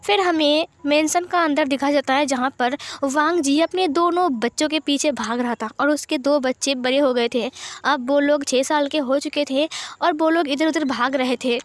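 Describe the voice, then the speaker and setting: A woman's voice: high-pitched, moderate pace, dry recording. A woman narrating a fan-fiction romance story in a plain, flowing retelling.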